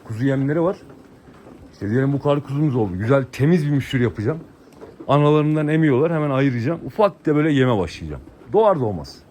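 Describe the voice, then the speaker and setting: A man's voice: medium pitch, very animated, quick pace, a little mellow, slight background noise. A man casually chatting to viewers in a vlog, talking fondly to his animals outdoors by a livestock pen. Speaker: vlogger raising lambs.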